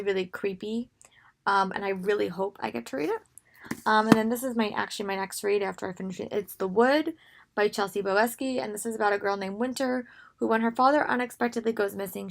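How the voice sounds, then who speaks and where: A young woman who has lost her voice, sounding hoarse and strained, chatting casually and rambling with many pauses about books she wants to read. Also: medium pitch. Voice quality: gravelly, strained. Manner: rambling with frequent ums. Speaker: book vlogger. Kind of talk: casual book haul talk.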